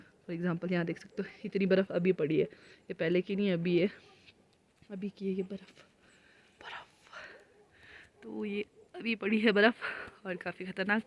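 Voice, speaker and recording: A young woman from Kinnaur, India, chatting to her phone camera as she walks around her snowy home. Her voice sits a little low for a woman. She talks quickly and without pause, a touch out of breath. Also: slight background noise. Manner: fast, nonstop chatty talk, slightly out of breath. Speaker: vlogger. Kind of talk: casual vlog talk to camera. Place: home in heavy snowfall, moving indoors and out. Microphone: handheld phone.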